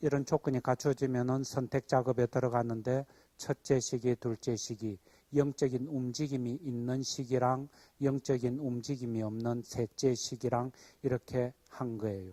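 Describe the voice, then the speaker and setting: Dark and mellow in tone, a man at medium pitch speaks at a fairly slow pace in a monotone, flat delivery, with a dry, close sound and no echo. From Gyeongsang Province, South Korea. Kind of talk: lecture. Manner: conversational.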